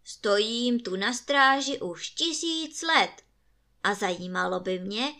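A woman voicing a fearsome giant guard in a storybook reading, booming and shouting. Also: expressive. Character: fearsome huge male giant guard, gruff.

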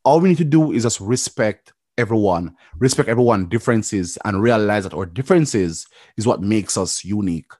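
A man's voice: on the low side, lively intonation, moderate pace, few pauses, dark tone, no room sound. Encouraging male podcast host, dry sound. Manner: encouraging, affirms often with "yeah". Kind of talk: casual interview chat.

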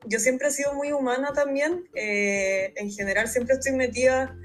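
A young Chilean woman tells her own story in a casual interview. Her voice is somewhat high and her speech is informal and conversational. There is light music in the recording. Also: moderate pace. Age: 20s. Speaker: podcast guest, speech therapist.

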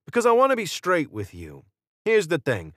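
A man's voice: fairly high pitch, wildly swooping pitch, normal speed, a bit bright, no room sound, studio quality, voice pushed up. A man voicing a cocky, flippant cult gunman in an audiobook, glib, slangy and sarcastic. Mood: glib, candid. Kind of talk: audiobook character dialogue.

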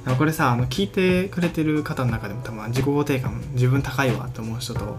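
A man's voice: medium pitch, a little fast, music in the background. A young man with a Kansai accent co-hosting a casual chat podcast, laughing often and asking probing questions. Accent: Kansai Japanese. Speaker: podcast co-host.

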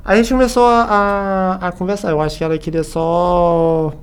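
A Brazilian man chatting casually as a podcast guest, telling anecdotes in an animated way and acting out the dialogue. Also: high-pitched, normal speed, smooth. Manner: animated retelling with acted-out dialogue.

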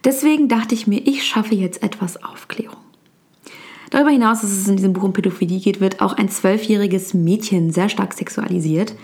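A woman's voice: medium pitch, brisk, a little mellow. A young woman whose first language is Turkish, talking casually about a book with many fillers and restarts.

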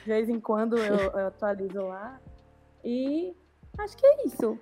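A woman's voice: on the high side, sing-song, measured pace, music in the background. A woman with a northeastern Brazilian accent from Recife, chatting casually as a guest on a podcast.

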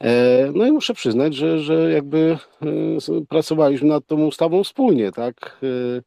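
A man giving informal remarks as a guest speaker, halting and rambling, often repeating his words. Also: a little high, expressive, vocal fry, warm tone, dry recording, studio quality. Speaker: poker event co-organizer, guest speaker.

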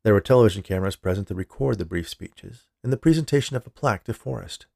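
A man's voice: on the low side, animated, fast, vocal fry, darkish tone, no echo, clean studio sound. A man narrating a scripted short story as the storyteller. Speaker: writer and narrator of a fiction podcast.

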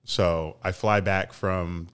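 A man's voice: low-pitched, steady tone, slow pace, very noisy. A young adult man co-hosting a casual podcast, talking informally with slang and some swearing. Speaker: podcast co-host.

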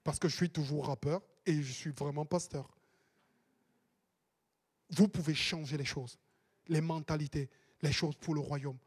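A man, preaching a sermon as a pastor with emphatic, repeated exhortations that break into shouts. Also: on the high side, steady tone, a little slow, long pauses, husky. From Cameroon.

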